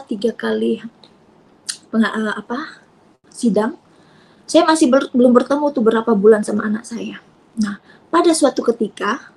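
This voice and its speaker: Woman, emotional testimony, husky breathy voice, somewhat high, soft whispers to raised outbursts. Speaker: convert giving testimony.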